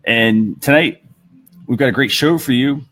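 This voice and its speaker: A man's voice: mid-range voice, measured pace, fairly bright tone, faint music behind. A man presenting a live talk show as its host in a casual, conversational style.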